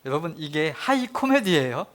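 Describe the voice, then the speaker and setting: A middle-aged male pastor preaching a sermon, telling the story in a lively way and speaking straight to the congregation. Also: a little high, moderate pace.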